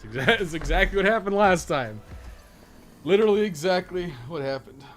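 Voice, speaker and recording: A man's voice: high-pitched, expressive, fairly quick, soft background music. A man giving casual live video game commentary as a streamer, with a wry, offhand, sarcastic way of talking.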